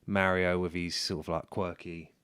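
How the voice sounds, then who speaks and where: A man with a lowish voice co-hosting a casual film review chat. He hesitates often and searches for the right word. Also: level tone, normal speed, fairly bright tone, clean tone. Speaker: podcast co-host.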